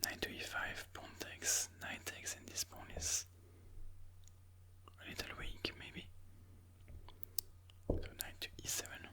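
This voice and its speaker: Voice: takes it slowly, pauses often, pushed and bright. A person whispering breathily in an ASMR style, musing aloud move by move as they comment on their own chess game.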